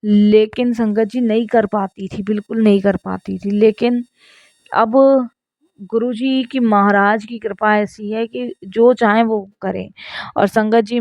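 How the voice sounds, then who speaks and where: A woman in her thirties earnestly shares a spoken devotional testimony, addressing her listeners again and again. Her voice is mid-range, and the recording is dry, dull and lo-fi.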